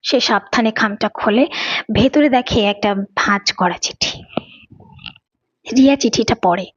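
A woman's voice: a little high, a little slow. A woman storyteller reading a scripted dramatic audio story. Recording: dull lo-fi recording.

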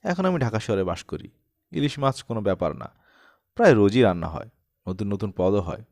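A man's voice: fairly low pitch, very animated, brisk, darkish tone, no echo, clean studio sound. A man reading a humorous personal essay as scripted audiobook narration.

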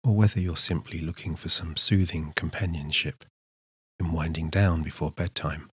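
A man narrating a scripted sleep hypnosis session in a soothing, measured manner with unhurried pauses. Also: rumbling low, steady tone, slightly rough, dry recording. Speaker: hypnotist, guided meditation narrator.

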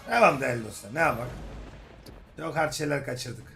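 A young man giving casual, joking commentary while playing slot games, swinging from grumbling to excited hype. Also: medium pitch, brisk, creaky. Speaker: slot game streamer. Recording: faint music behind voice. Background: faint game music.

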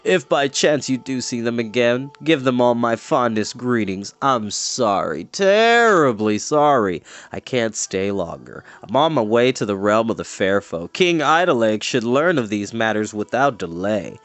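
A man plays a gloomy little fairy creature from a fantasy storybook. He complains mournfully, drawing out words in weary sighs, with pitch that rises and falls a lot. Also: sing-song, a bit bright, no room sound. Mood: anxious, mournful. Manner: drawn-out sighing, mournful, hesitant. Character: melancholy, whining, fretful fairy-folk creature, endlessly gloomy.

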